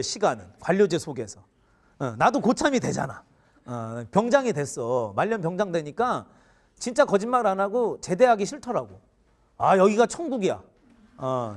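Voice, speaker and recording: A man in his forties, a teacher, telling a funny story in an animated way and often laughing mid-sentence. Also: sits high. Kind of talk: humorous storytelling lecture.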